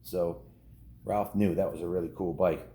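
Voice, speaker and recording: A man with a low, relaxed voice reads a children's story aloud. He keeps it informal and chatty, drifting into his own remarks to the kids, and the room around him is audibly echoey. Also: moderate pace. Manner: informal, ad-libbing. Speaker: storybook reader. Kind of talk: casual read-aloud of a children's novel with chatty asides to kids. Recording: roomy, echoing indoor sound.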